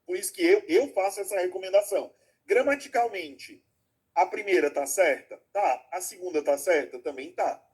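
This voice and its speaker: At a normal speed, a man with a high, animated voice, a darkish tone, and a breathy edge teaches an online class on a video call. He goes through each step, checks in with students a lot, and fondly calls them "my loves."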